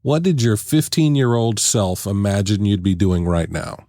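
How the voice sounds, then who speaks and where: Chatty low-voiced man hosting a podcast. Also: animated, normal speed, over loud music. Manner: playful, chatty, laughs often. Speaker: podcast host. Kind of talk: casual interview chat. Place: podcast studio.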